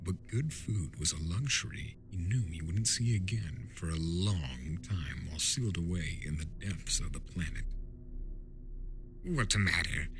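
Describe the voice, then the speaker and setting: A man's voice: low-pitched, normal speed, hardly any pauses. A man giving a dramatic narration of a fantasy story.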